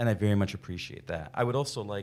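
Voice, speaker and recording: A man speaks at a very fast pace. His voice is fairly low in pitch. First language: not English (English is his third language). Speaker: resident speaking at public comment. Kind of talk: public comment at a zoning hearing. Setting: public meeting. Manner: halting, stammering.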